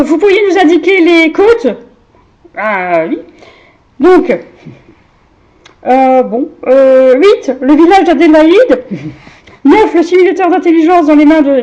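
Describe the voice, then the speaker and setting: A woman leading a casual discussion, hesitant and halting, with many pauses and restarts. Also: sits high, warm tone, dull audio.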